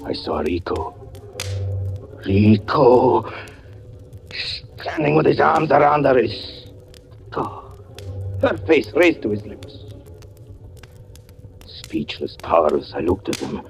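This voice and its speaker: A haunted, frantic young husband. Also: male voice, mid-range voice, very animated, slow, vocal fry, long pauses, over music, full character voice, rough recording. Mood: hushed. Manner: swings from hushed whispers to frantic pleading. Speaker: first-person narrator. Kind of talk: 1940s radio acting.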